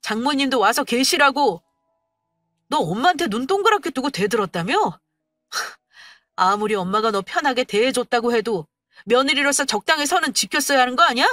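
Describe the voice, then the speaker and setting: A woman voicing a hot-tempered young husband who shouts accusations in defense of his mother. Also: fairly high pitch, expressive, normal speed, no room sound, studio quality, soft background music. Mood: angry shouting.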